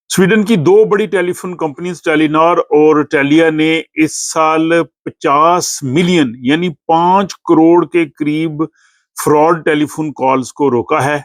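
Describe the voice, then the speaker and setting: A man's voice: on the high side, no room sound. A man hosts an informational news vlog, explaining things to viewers with frequent filler phrases and hesitations. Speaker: vlog host.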